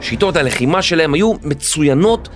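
A man hosting a history podcast, telling the story in a lively, animated scripted narration. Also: fairly high pitch, faint music behind.

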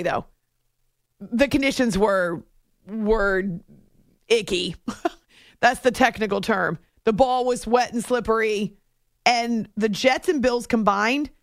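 A woman hosting a sports radio show in a chatty, animated monologue from a studio. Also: on the high side, no echo. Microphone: close studio microphone.

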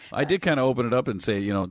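A man's voice: medium pitch, sing-song, fast talker, a little hiss or hum. A man co-hosting a polka radio show, easygoing and chuckling as he reads out listener mail. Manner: easygoing, chuckling, plugs announcements. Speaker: radio co-host.

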